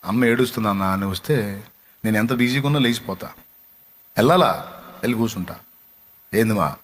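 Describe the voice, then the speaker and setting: A man's voice: on the low side, a little fast. Man preaching an impassioned sermon. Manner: storytelling that builds to impassioned exhortation; asks the congregation direct questions. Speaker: pastor.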